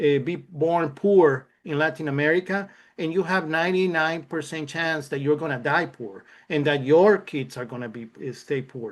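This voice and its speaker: With a Spanish accent, a man speaks at a moderate pace in a fairly high pitch with ordinary variation, his loudness swinging widely against a quiet background. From Nicaragua. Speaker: entrepreneur. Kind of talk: casual interview chat. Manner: halting, many repetitions and fillers.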